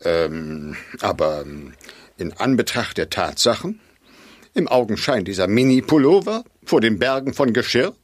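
Husky, grumpy, theatrical father. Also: on the low side, sing-song, measured pace, no echo. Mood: flustered, pompous. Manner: pompous, theatrical. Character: grumpy, self-pitying father overwhelmed by housework. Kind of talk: German children's audio drama acting.

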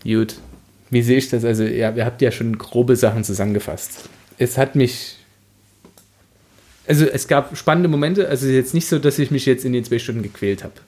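A man's voice: medium pitch, normal speed, mellow. Man reviewing books in casual conversation. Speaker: podcast host. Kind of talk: casual book review discussion.

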